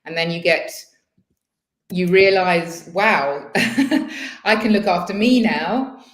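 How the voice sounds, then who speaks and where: A woman's voice: lowish voice, slow, roomy sound. A woman from Switzerland in her fifties with a British-schooled English accent, a podcast guest who talks in a hesitant, reflective way with many restarts. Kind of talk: casual podcast conversation.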